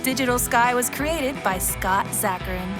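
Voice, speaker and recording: Woman, narrator and commentator, scripted delivery, high pitch, clear music bed. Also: normal speed. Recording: music behind the voice.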